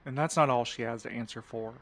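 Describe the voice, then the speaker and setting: A man's voice: mid-range voice, fast talker, gravelly, a bit bright. A man acting in an audio drama as a cautious, exasperated and sardonic young sleuth with a wry, insistent manner. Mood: urgent.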